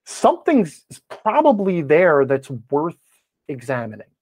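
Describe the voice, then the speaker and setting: Podcast guest, male, very lively intonation, dry close sound, emphatic explainer with firm opinions. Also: on the high side, measured pace, no room sound. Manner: emphatic, checks in with "okay" and "right". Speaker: podcast guest, game design commentator.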